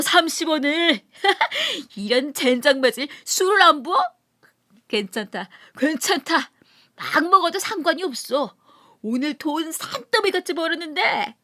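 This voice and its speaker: A woman voicing a drunk middle-aged male rickshaw puller who shouts and brags in a rowdy, slurred way. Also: high-pitched, animated, moderate pace, pitched above the performer's own voice. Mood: boisterous drunk.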